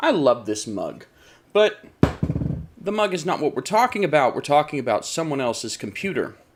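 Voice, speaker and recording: A man with a fairly high pitch talks at a moderate pace, leaving long, frequent pauses. His pitch swings very widely over noticeable background noise. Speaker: PC repair shop owner. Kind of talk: unscripted rant.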